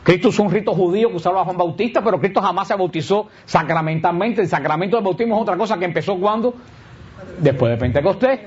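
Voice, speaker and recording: A man's voice: quick pace, a little hiss or hum. A man giving a conversational Bible teaching, asking his audience questions and answering them himself with emphatic swings. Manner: lively, rhetorical questions, answers his own questions; emphatic swings in pitch and pace. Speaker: Catholic preacher teaching on Romans. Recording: dull lo-fi recording.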